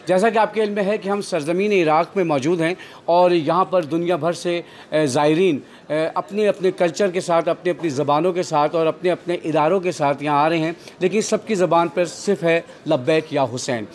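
A man's voice: on the high side, hardly any pauses. A man hosting an on-location interview outdoors near a shrine, formal and devout in his greetings, asking long questions. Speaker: interviewer and host.

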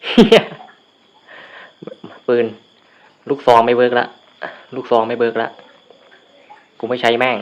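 A man casually commentating his own shooter game from a room at home, with shy mumbled asides that break into loud cursing outbursts. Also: medium pitch, completely flat delivery, a little fast, pauses often. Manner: swears and shouts in bursts at the game. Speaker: gamer recording a let's play. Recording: dull lo-fi sound with faint noise.

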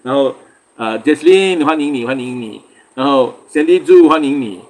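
A man's voice: mid-range voice, animated, moderate pace, darkish tone. A man from Singapore hosting a casual livestream, chatting loosely, greeting viewers by name and laughing often. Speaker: livestream host.

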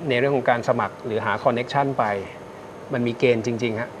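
A man's voice: medium pitch, fairly even intonation, quick pace, noisy background. A man hosting a live call-in astrology show, reassuring callers and repeating his key points. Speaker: astrologer host. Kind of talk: live call-in fortune reading.

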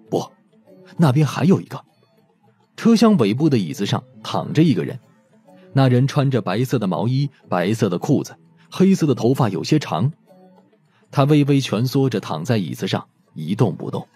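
A man narrating a mystery audiobook in an expressive storytelling manner. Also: medium pitch, breathy edge.

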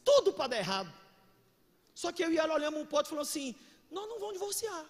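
High, lively pastor preaching in a hall. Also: male voice, very fast. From Brazil. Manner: animated storyteller, bursts into shouts, slangy. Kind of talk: energetic sermon with acted anecdotes. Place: church hall. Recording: reverberant church hall.

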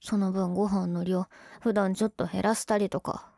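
A woman's voice: mid-range voice, flat delivery, normal speed, gravelly, dark tone, dry recording, clean studio sound. A woman playing a young tsundere girlfriend in an ASMR role-play, huffy and sulky but affectionate underneath.

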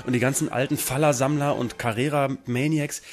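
A man in a German comedy radio studio tosses out absurd tangents in a quick, chatty stream. His pitch sits mid-range for a man. Faint music plays underneath. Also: fairly even intonation. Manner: fast, absurd joking tangents. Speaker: radio host. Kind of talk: improvised comedy radio chat.

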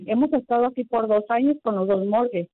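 A woman's voice: fairly high pitch, a little fast, over a noisy crowd. A woman calling into an advice show, speaking hesitantly with many fillers, over a phone line. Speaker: caller.

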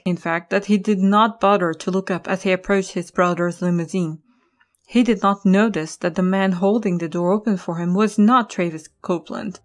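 A woman reading scripted story narration as the narrator of an audio drama. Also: on the low side. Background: music.

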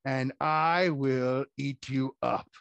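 A man voicing a big, grumpy male bear who talks slowly and bossily. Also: mid-range voice, steady tone, creaky, a bit bright, no echo. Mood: gruff.

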